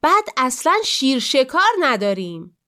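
A woman's voice: high voice, very animated, pushed and bright, full character voice. A woman doing a sly knowing fox. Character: clever surprised male fox. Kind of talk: children's storybook reading.

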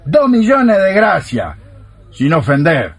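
An actor playing an aggrieved working-class Argentine village husband in radio theatre, colloquial and emphatic. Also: male voice, fairly high pitch, huge pitch swings, takes it slowly, breathy edge, full character voice. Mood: emphatic, dismissive.

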